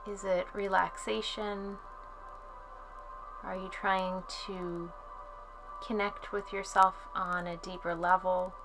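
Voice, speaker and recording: Very slow, calm woman guiding meditation. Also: medium pitch. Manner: calm, soothing, with long pauses. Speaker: yoga nidra instructor. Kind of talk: guided relaxation meditation. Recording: soft music under the voice. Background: music.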